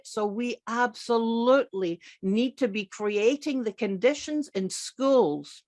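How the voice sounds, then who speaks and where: A middle-aged woman with a Scottish accent, giving an emphatic, enthusiastic conference talk as a psychiatrist who repeats her key words. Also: fairly high pitch. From grew up partly in Scotland. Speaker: psychiatrist and keynote speaker. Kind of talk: conference presentation.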